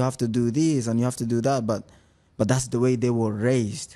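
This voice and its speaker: This man speaks at a moderate pace with a medium pitch and a dark, mellow tone, his intonation monotone and flat. The recording is very clean, with a silent background. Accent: African. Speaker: author and youth coach. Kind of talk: podcast interview. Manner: halting, many repetitions.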